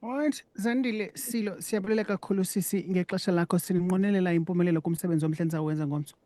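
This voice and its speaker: A woman's voice: lowish voice, rapid-fire, dark tone. A woman with a Xhosa South African accent hosting a radio interview, often repeating syllables as she restarts. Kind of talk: radio interview, mixing two languages.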